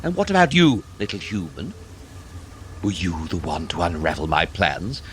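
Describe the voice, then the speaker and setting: A man's voice: deep voice, lively intonation, moderate pace, slight background noise. An actor playing a cruel, gloating elf lord in an audio drama, theatrical and mocking as he savors each word. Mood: mocking curiosity. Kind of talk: audio drama villain acting.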